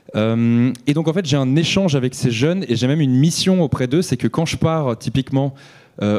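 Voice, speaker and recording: A man with a dark, mellow tone speaks at a fairly quick pace in a medium pitch, with ordinary pitch variation. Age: 30s. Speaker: moderator and geopolitics YouTuber. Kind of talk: panel discussion.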